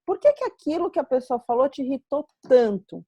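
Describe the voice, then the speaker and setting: A Brazilian woman with a fairly high voice hosts a live webinar over a video call. She explains earnestly and reflectively, drawing on her own experiences. The sound is dry and close, with no room echo. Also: sing-song, a little fast, warm tone, breathy edge. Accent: Brazilian Portuguese. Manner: earnest, explanatory, personal examples. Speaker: webinar host.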